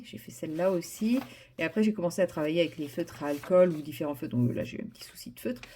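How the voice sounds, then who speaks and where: A woman's voice: medium pitch, a little mellow. Brief: woman vlogger, casual rambling chat at home, lots of ums and restarts. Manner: chatty, rambling, many fillers and restarts.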